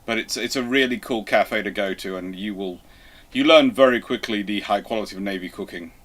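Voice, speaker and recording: A man's voice: on the low side, a little fast, a bit bright. A man hosting a live question-and-answer stream, talking in a chatty, rambling way. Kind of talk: casual live Q&A chat.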